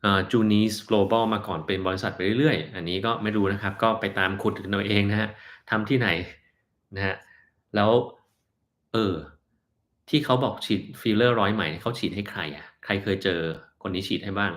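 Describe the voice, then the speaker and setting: A man with a fairly low voice hosts a casual live-stream Q&A as a doctor, answering viewers' health questions. He talks in a blunt, offhand way and sometimes drifts into mocking asides. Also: steady tone, normal speed, fairly bright tone. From Thailand.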